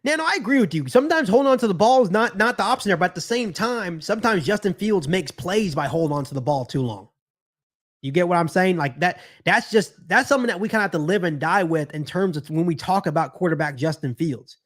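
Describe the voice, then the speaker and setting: A man's voice: sits high, animated, fast talker. A man with an American accent hosting a live football stream, giving conversational play-by-play and fan reaction, often repeating his phrases. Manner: repeats phrases, conversational, talks back to chat. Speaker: sports podcast host doing live play-by-play.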